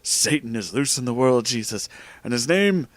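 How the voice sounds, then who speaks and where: A man voicing an excitable, kindly old wizard headmaster for a comic story reading, in a theatrical, declaiming manner. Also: mid-range voice, dry recording, lightly acted. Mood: hearty, grave. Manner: theatrical, declaiming, drawn-out exclamations.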